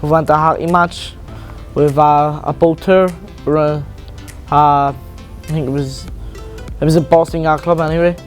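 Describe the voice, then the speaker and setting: A man's voice: on the high side, level tone, moderate pace, soft background music. A young man from Belfast with a Belfast accent, answering interview questions hesitantly with many fillers. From Northern Ireland. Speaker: visiting student interviewee.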